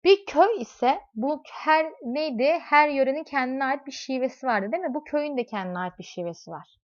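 High-voiced woman teaching math. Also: expressive, a little fast. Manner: explains with everyday examples, asks students questions; talks directly to students in second person. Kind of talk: classroom math lesson. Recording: dull lo-fi recording.

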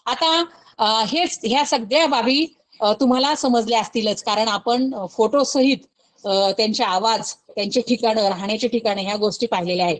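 A woman teacher with a Marathi accent leads a scholarship-exam coaching lesson. Her voice sits a little high, and she explains slowly. She often asks the pupils rhetorical questions and imitates animal sounds. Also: poor audio. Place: recorded online lesson.

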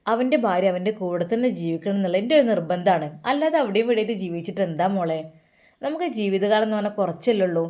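A woman's voice: medium pitch, darkish tone, natural voice. A woman voicing a loving older Muslim mother who fusses over her children and comforts them. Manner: doting, coaxing, blessing her children.

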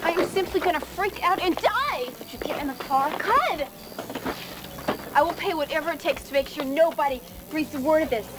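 A woman's voice: high-pitched, lively intonation, normal speed, very noisy. An actress playing an exasperated, squeamish teenage valley girl, whiny and dramatic in a teen film. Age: young adult. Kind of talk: 1980s teen film acting. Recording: film soundtrack with loud music behind.

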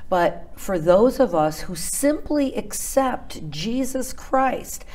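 A woman's voice: fairly high pitch, expressive, takes it slowly, darkish tone. A woman in her fifties hosting a Christian talk show, speaking earnestly and preachily in a studio. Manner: earnest, preachy, gesturing as she talks. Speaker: TV ministry host. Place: TV studio set.

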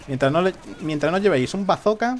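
A man commentates his own gameplay, his voice sitting a little high and swinging up and down in pitch. He jokes as he plays and taunts the enemies on screen. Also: expressive, fast, slight background noise. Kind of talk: live gaming commentary.

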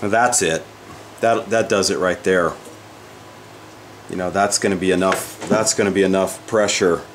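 Pausing often, an older woodworking instructor speaks at normal speed in a low, steady voice during a casual demonstration in his shop. He works through the project thinking aloud and frequently begins sentences again, with slight background noise present.

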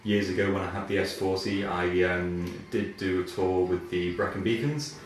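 A young Englishman with a low voice chats casually, pausing often mid-sentence. The room is very echoey, the mic sits at a distance and faint music plays behind him. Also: steady tone. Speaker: interviewee, car owner. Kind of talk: casual chat while playing a video game. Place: living room, indoors.

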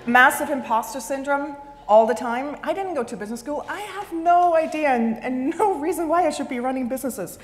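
A woman's voice: high-pitched, brisk. Woman speaking in a reverberant hall. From Switzerland. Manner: lively, self-deprecating, laughs often. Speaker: keynote speaker. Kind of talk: conference talk. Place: large conference hall.

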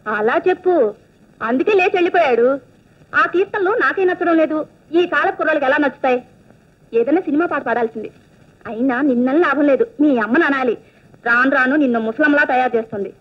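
Chatty aunt figure, played by a woman: high-pitched, matter-of-fact, scolding, on a dull lo-fi film track. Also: fast talker, pauses often, close to an everyday voice. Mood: chiding. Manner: chiding, talkative, matter-of-fact. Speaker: aunt of the heroine. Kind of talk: 1980s Telugu film dialogue.

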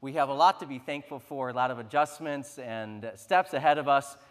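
A lead pastor in his thirties, speaking fairly quickly at medium pitch, gives church announcements and an introduction on the stage of a large sanctuary before leading a prayer. He is conversational and earnest, and the recording echoes with sanctuary reverb.

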